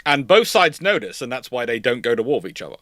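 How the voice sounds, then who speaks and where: A man's voice: medium pitch, big pitch swings, fast, a bit bright, no echo, studio quality. A man hosting a casual, analytical history discussion, talking discursively and often rephrasing himself as he goes. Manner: discursive, repeats and rephrases phrases. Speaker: host of naval history livestream.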